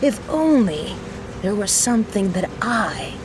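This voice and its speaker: A woman playing a sardonic mechanic in a sci-fi audio drama, rambling to a listener with mock-solemn, theatrical pauses. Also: mid-range voice, sing-song, noisy background. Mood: wry, musing. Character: sardonic, rambling young female mechanic in an underground resistance.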